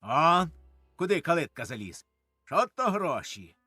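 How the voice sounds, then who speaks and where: A man's voice: on the high side, sing-song, measured pace, no room sound, faint music behind, full character voice. A man reading the part of a grasping, coarse old farmer who curses and grumbles, in a dry studio audiobook of a stage play. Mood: gruff. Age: older. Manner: gruff, cursing, shouts in his sleep.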